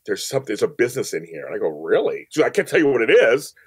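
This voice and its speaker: A man in his fifties with a very lively, swooping delivery, recorded close and dry. He tells stories as a podcast guest, repeating phrases for emphasis and playing out bits of dialogue. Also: mid-range voice, racing, husky, no echo. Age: 50s. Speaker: podcast guest, professional organizer. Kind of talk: animated storytelling in a casual interview.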